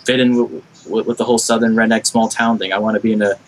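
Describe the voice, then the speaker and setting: A man's voice: fairly low pitch, flat delivery, fast talker, slight background noise, low-quality recording. A young adult man with a General American accent, chatting casually in an earnest, rambling way as a podcast guest. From Florida, United States. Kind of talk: casual chat.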